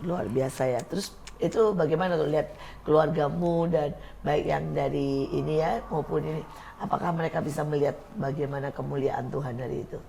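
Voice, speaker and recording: A woman's voice: low voice, fairly even intonation, a little fast, gravelly, dark tone, slight background noise. A woman hosting a Christian talk show, asking questions and giving preachy encouragement with frequent exclamations. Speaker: host.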